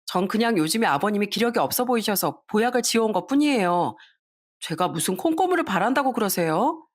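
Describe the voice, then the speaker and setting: A woman's voice: mid-range voice, animated, fairly quick, natural voice. Brief: younger sister-in-law, polite, protesting, story radio, woman reading.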